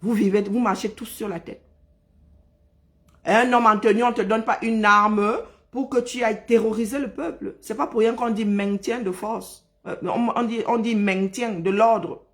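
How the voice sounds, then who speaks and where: A man's voice: sits high, fairly even intonation, normal speed, a bit bright. A man from Cameroon, ranting on a live stream, agitated and indignant, hammering his points home by repeating phrases. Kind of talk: angry live-stream rant.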